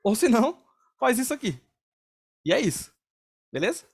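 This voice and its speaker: A young man with a Brazilian Portuguese accent leads an online programming class. His voice sits high for a man. He talks casually and explains each step, often pausing to ask whether students are following. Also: sing-song, gravelly, breathy edge. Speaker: programming instructor. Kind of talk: live coding class.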